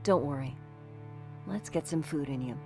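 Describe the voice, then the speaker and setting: A woman acts a middle-aged mother in an audio drama, caring and teasing with a protective streak. Her pitch is on the low side for a woman. Light music sits underneath. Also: normal speed. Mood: warm, teasing. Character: warm, teasing, protective mother of a teenage son.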